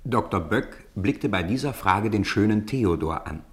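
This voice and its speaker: An actor narrating a school tale in a radio play, in a measured, literary storytelling manner. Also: male voice, on the low side, animated, natural voice. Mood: wry, composed.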